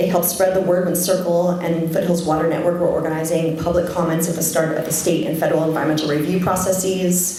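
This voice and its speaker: With audible room echo and noticeable background noise, a woman with a fairly low pitch speaks at a fairly quick pace. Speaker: nonprofit board member presenting an award. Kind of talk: award presentation speech. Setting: church hall with live audience. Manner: fast.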